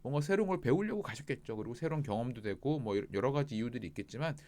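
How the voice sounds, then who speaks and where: A middle-aged male coach talks casually and at length, his pitch swinging widely as he goes. He is chatty, moving from joking asides to earnest advice. He sits at a mid pitch for a man. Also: rapid-fire. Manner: chatty and animated, jumps between jokes and earnest advice. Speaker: life coach. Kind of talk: casual reflective talk to viewers.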